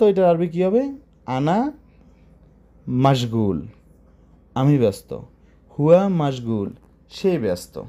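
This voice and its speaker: A man's voice: on the high side, dark tone. A man teaching Arabic phrases, who explains each word, repeats phrases and asks his listeners questions. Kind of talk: language lesson.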